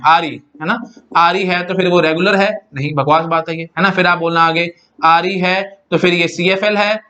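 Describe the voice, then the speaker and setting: A man teaching a computer science lesson in casual Hindi mixed with English, often asking "है ना?" and slowing down to dictate notes. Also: a little high, fairly bright tone. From India. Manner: chatty, repeats "है ना?" and "भाई", dictates slowly.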